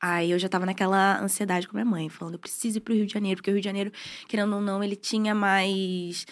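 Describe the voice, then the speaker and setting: A woman's voice: medium pitch, little pitch movement, fast talker. A woman in her twenties from southern Brazil with no regional accent, chatting as a podcast guest and telling stories with frequent restarts. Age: 20s. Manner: chatty, storytelling, trailing restarts. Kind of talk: casual interview chat. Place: podcast studio.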